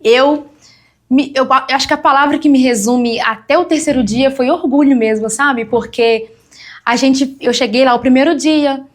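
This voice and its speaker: Woman, young adult, high voice, lively storyteller, quotes people in their voices. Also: normal speed. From Brazil. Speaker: guest sharing testimony. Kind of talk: church talk show testimony.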